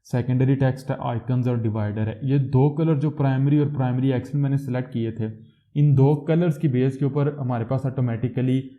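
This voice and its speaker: A man teaching a coding tutorial step by step, pausing to correct himself and filling gaps with hesitation sounds. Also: mid-range voice, steady tone. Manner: explains step by step, with frequent self-corrections and filler sounds. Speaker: programming tutor. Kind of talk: screen-recorded coding tutorial. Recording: tinny phone-like audio.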